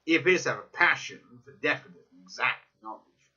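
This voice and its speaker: Man playing a wry, animated gentleman companion. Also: medium pitch, a little fast. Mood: wry, hesitant. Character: Stamford, cautious, wry young gentleman companion. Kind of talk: dramatic audiobook reading. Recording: dull lo-fi recording.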